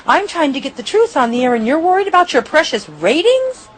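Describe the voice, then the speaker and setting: A woman playing an indignant, defiant reporter with a husky voice and an emphatic, combative delivery in an audio drama. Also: high voice, sing-song, a little fast. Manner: emphatic, combative, rhetorical questioning. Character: indignant, defiant female news reporter fighting for the truth.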